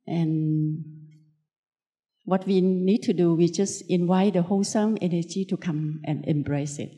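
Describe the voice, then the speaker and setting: Slow, low-voiced Thai woman teaching. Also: mellow. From Thailand. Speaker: Buddhist nun giving a dharma talk. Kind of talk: unscripted spiritual teaching talk.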